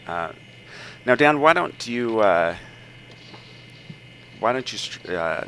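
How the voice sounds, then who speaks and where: A man's voice: lowish voice, expressive, slow pace, fairly bright tone, a little hiss or hum, rough recording. A man hosting a book podcast with playful, stumbling banter. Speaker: podcast host. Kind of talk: casual book podcast chat.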